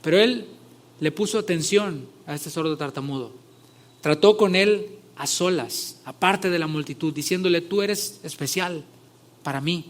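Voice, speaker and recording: A male pastor preaching a sermon in a conversational way, growing loud and emphatic when he retells scripture scenes. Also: fairly high pitch, a little slow.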